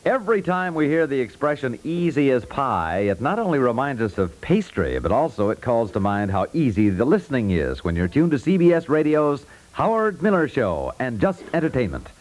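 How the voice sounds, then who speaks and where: A male announcer from 1950s network radio. His mid-range voice moves animatedly through scripted promotional copy with a polished, measured sales delivery. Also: medium pitch, sing-song, darkish tone.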